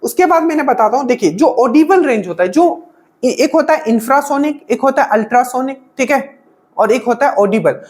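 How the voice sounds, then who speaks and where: A woman teaches exam-prep science. She talks in a loose, conversational way. She circles back over each point and drops a quick "okay?" after nearly every phrase. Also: high-pitched, expressive, darkish tone. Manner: explains with constant "okay?" check-ins and repetition. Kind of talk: casual spoken lecture.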